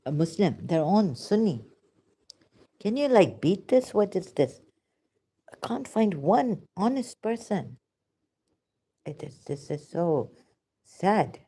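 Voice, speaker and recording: A woman's voice: medium pitch, big pitch swings, slow, pauses often, dark tone, husky. A woman with a Pakistani accent giving rambling, sarcastic religious commentary in broken English. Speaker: vlogger.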